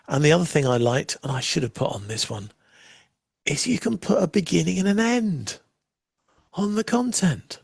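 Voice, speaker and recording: A man hosting a live software demo, chatting casually and making wry asides while he waits. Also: fairly high pitch, expressive, moderate pace, vocal fry, slightly rough, dry recording, studio quality. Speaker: livestream host demoing software.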